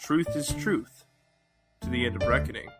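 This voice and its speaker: Actor as a theatrical male suspect, haughty, archaic stagey diction, mid pitch, over music. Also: moderate pace, lightly acted. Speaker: bombing suspect claiming to be Tybalt. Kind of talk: full-cast audio drama.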